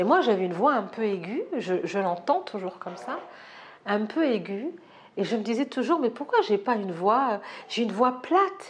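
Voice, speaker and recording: The speaker is soft-spoken, with a calm tone and lively intonation. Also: woman, fairly high pitch for a woman, moderate pace. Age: 50s. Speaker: therapist and coach. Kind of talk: personal testimony. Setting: self-recorded. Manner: calm, modulated.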